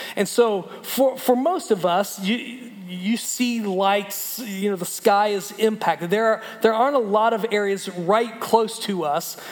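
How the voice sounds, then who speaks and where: Amid audible room echo and noticeable background noise, a man speaks in a high pitch with ordinary pitch variation. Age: 40s. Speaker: pastor. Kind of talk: sermon. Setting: church.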